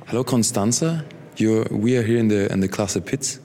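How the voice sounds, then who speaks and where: A man's voice: on the low side, moderate pace, warm tone. A man interviewing an art student, asking brief, prompting questions in a casual way. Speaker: radio interviewer. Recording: reverberant room.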